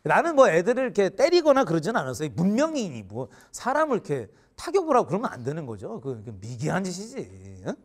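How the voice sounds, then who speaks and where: A man in his forties, a teacher, telling a funny story in an animated way and often laughing mid-sentence. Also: high voice, fast talker, few pauses. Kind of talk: humorous storytelling lecture.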